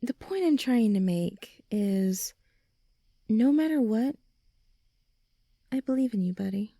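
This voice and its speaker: A young woman playing a supportive, gently reassuring friend in an ASMR comfort roleplay, speaking softly and soothingly. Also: on the high side, lively intonation, slow, no echo, clean studio sound, exaggerated voice. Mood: warm, affectionate. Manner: soft, soothing, encouraging, breathy sighs and chuckles.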